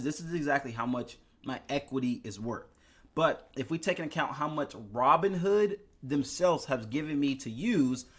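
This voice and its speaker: A man's voice: medium pitch, a bit bright. A young man chatting casually in an investing vlog, tired from little sleep and talking in a rambling way with many restarts. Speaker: finance YouTuber.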